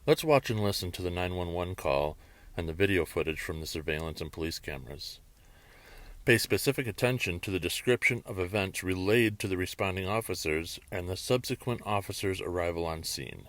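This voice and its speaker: Male narrator, very low register, dry close sound, scripted commentary delivery. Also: a little fast, no room sound.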